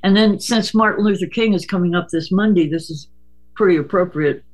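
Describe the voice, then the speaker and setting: A Native American man hosting a casual radio talk, speaking haltingly with many fillers and hesitations. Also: high voice.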